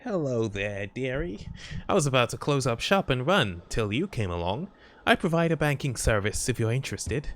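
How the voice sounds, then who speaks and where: A man's voice: medium pitch, big pitch swings, normal speed, fairly bright tone. Man putting on a genteel old lady banker creature. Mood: courteous, salesmanlike.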